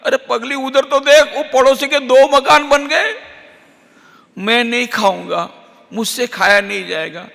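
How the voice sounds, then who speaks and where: A man voicing a poor, jealous husband who envies his neighbor and laments loudly, with a bright voice in a reverberant hall. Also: high-pitched, a little slow, creaky, exaggerated voice. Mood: wailing.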